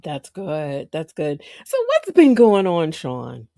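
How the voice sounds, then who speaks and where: A woman's voice: low-pitched, huge pitch swings, takes it slowly, creaky, mellow, no room sound, clean studio sound. A woman hosting a casual live online interview show, effusive and chatty. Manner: bubbly, effusive, laughs often. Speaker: host.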